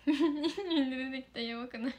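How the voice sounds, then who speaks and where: A young woman with a notably high voice chats on a live stream. She is giggly and playful, laughing often as she reacts to her viewers' comments. It is a faint, slightly noisy home-stream sound. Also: steady tone, fast, a little mellow, highs cut off. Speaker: idol livestreamer. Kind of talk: casual live stream chat reading comments.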